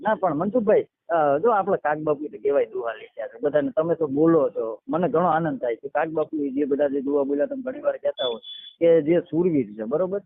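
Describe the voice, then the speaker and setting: A man's voice: fairly high pitch, big pitch swings, brisk, no room sound. A man calling in, who keeps agreeing eagerly and praises the poets' verses. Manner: eager agreement, repeating one hundred percent. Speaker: caller. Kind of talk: phone call discussion. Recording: dry tinny phone line.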